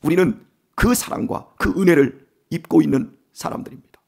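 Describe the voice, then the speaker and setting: A male pastor giving an early-morning sermon in a conversational way, asking the congregation questions and moving between quiet asides and emphatic declarations. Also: on the high side, moderate pace, creaky. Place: church sanctuary.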